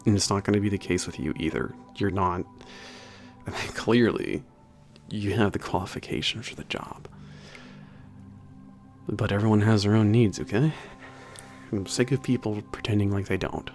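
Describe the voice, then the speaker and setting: A man gives a natural, fairly low voice to a big, burly werewolf maintenance trainer with a soft heart in an ASMR roleplay audio drama, addressing the listener directly. He speaks haltingly and casually, swearing yet earnest, sounding apologetic and encouraging, with faint music in the background.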